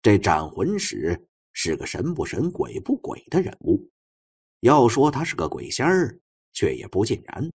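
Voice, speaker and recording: Unhurried and deep, a man's husky voice carries a suspenseful audiobook, his pitch ranging widely as he delivers the story with lively expressiveness.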